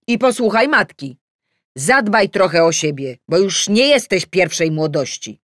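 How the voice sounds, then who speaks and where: Woman putting on a loud, bossy older father. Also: fairly low pitch, sing-song, measured pace, no room sound, clean studio sound, pitched above the performer's own voice. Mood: bossy, calling out. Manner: loud, insistent, lecturing. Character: bossy, scolding older father, shouting parting advice. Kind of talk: audiobook character reading.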